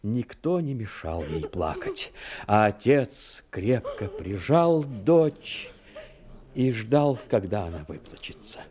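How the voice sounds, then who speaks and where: A man giving dramatic scripted narration for an audio play, measured and literary. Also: fairly low pitch, huge pitch swings, dark tone. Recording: music behind the voice.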